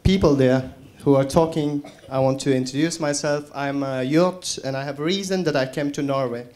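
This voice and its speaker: A man from Afghanistan addresses the panel from the audience. His voice is high and he talks slowly and emphatically. He pushes his point with rhetorical questions. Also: fairly even intonation, a little mellow. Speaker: audience member.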